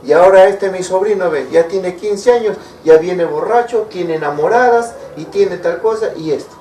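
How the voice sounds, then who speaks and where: A man's voice: sits high, normal speed, warm tone, slight background noise. A man preaching a sermon, asking his listeners rhetorical questions and acting out short quoted lines. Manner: asks the congregation rhetorical questions. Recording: echoey room, mic far off.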